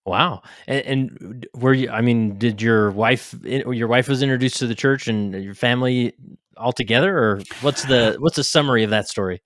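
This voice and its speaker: A man's voice: mid-range voice, normal speed, fairly bright tone, no echo, clean studio sound. A man hosting a podcast interview in a casual, upbeat way, with loose fillers like "you know.".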